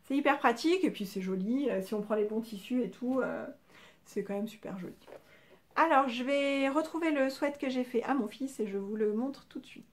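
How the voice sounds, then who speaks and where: A woman's voice: on the high side, normal speed. A middle-aged woman hosting a crafting podcast, chatting casually and rambling as she shows her sewing, with frequent hesitations. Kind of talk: casual show-and-tell chat.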